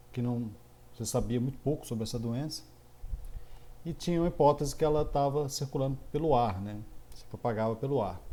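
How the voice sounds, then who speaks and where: Brazilian mineiro male professor, mid-pitched, rambling filler-laden lecture delivery, noisy recording. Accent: Brazilian Portuguese, mineiro. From Minas Gerais, Brazil. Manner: filler-heavy, frequent "né", loose explanatory pacing. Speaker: university computing professor. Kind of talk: recorded online course lecture.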